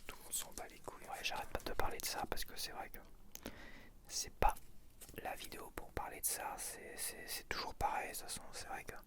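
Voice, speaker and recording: A man whispering casual ASMR from his apartment, soft throughout, with grumbling asides. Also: fairly quick. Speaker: ASMR creator.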